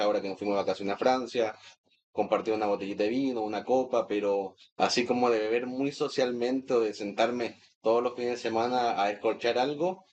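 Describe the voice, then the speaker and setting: Here a guest sommelier chats casually during an interview, a man in his thirties from Chile who grew up in Santiago. His medium-pitched voice is a little mellow, and the recording has its highs cut off.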